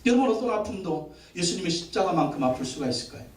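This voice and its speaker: High-voiced pastor preaching in an echoey church. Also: male voice, big pitch swings, fast talker. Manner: preaching, rising to emphatic repeated declarations. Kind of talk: Sunday sermon. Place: church sanctuary. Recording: echoey church hall, voice from a distant mic.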